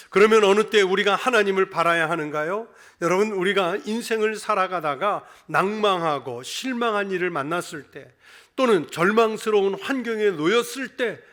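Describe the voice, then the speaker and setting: A man's voice: a little high, fairly bright tone. A middle-aged man preaching a sermon as pastor, earnestly addressing the congregation again and again.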